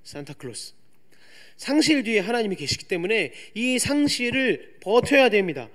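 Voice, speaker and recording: A young man preaching a youth sermon in a church, chatty and explanatory, dropping to quiet asides and rising to loud emphatic points. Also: high voice, big pitch swings, moderate pace. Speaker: youth pastor. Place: church sanctuary.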